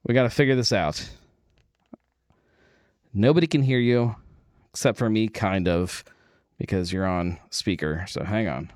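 A man's voice: lowish voice, measured pace, pauses often, darkish tone, no room sound, clean studio sound. Easygoing man hosting a casual stream. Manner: easygoing, rambling with many fillers. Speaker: livestream host. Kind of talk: casual chat.

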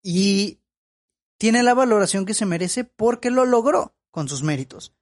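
A man's voice: sits high, lively intonation, measured pace. Emphatic man lecturing on film. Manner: emphatic and lecturing, repeats his points. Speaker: film vlogger. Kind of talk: opinion commentary to camera.

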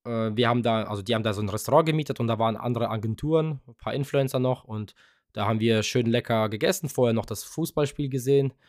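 A man's voice: mid-range voice, fast talker, a little mellow, no room sound, clean studio sound. A young man co-hosting a podcast, telling a long casual story with lots of fillers and offhand swearing. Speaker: podcast co-host. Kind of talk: casual chat.

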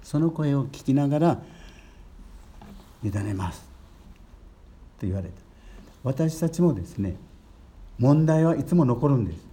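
An older man, a Catholic priest giving a gentle storytelling sermon and lifting his voice on key words. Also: on the high side, lively intonation, moderate pace, a little hiss or hum.

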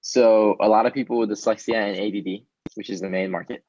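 A man's voice: on the low side, fairly even intonation, fairly quick, a little mellow, no room sound, lo-fi sound. A man whose first language is Hebrew, a startup founder giving casual, earnest interview answers with frequent ums.

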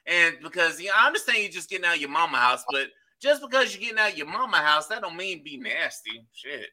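Very bright-voiced male podcast host. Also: fairly high pitch, sing-song, quick pace. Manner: loose and profane, laughs easily. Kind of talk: casual chat.

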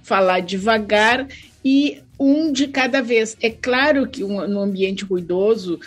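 A woman speaking as an expert guest on a podcast, explaining hearing care in a measured way. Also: medium pitch. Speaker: audiologist guest.

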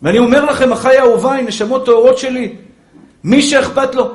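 A man preaching a sermon as a rabbi, fervent and pleading, who addresses listeners as brothers and dear souls and drops into soft, coaxing asides. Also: very high voice, echoey room. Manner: calls listeners "my brother" and "pure soul".

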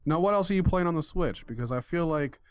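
A man's voice: fairly high pitch, animated, quick pace, smooth, no room sound. A middle-aged man co-hosting a podcast in casual chat, talking loosely with lots of "like" and casual swearing. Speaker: podcast co-host.

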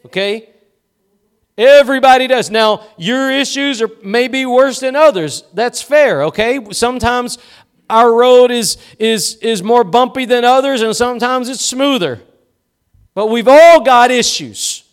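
A man's voice: very high-pitched, unhurried, clear, resonant tone. A male pastor preaching a sermon in a church, with emphatic repeated cadences and rhetorical questions.

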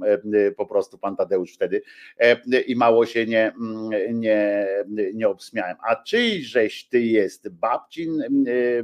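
A man's voice: on the low side, a little mellow, lo-fi sound. Hesitant male radio host. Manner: hesitant, full of drawn-out fillers. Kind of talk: casual radio talk, reading listener messages.

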